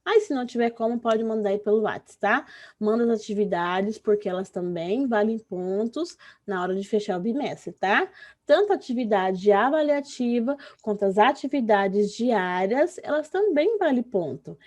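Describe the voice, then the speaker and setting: A woman with a Brazilian Portuguese accent, a primary school teacher giving an online lesson to young children. She stretches out words slowly when spelling and keeps checking in with "tá?" and "né?" in an affectionate way. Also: fairly high pitch, animated, a little mellow.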